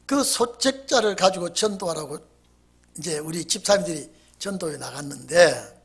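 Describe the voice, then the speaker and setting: A male pastor delivering an evening sermon and telling stories to his congregation. His voice is husky, with a pitch that swings widely. He moves from loud emphasis to near-quiet asides. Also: normal speed. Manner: animated, storytelling, dramatic swings in volume.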